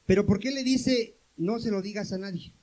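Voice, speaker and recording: Male pastor, high voice, questions-and-answers sermon style with calls for amens. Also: moderate pace, warm tone, low-quality recording. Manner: questions the congregation and answers himself.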